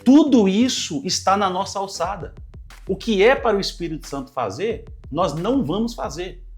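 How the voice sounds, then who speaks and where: A man's voice: high-pitched, expressive, moderate pace. A man, a pastor teaching a Bible study in an earnest, explanatory way and addressing his listeners as brothers. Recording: light music underneath.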